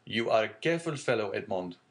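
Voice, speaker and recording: A man reading aloud and voicing a genial, fatherly older shipowner in a hearty, booming manner. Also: expressive, fast talker, natural voice. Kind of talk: audiobook character reading.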